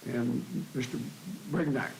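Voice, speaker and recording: Older guy judge addressing a courtroom, creaky voice, stops and starts a lot, bit of hiss. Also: medium pitch, fairly even intonation, darkish tone, rough recording. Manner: halting, frequent hesitations and repeated words. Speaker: presiding appellate judge. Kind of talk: courtroom opening remarks. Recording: faint hiss.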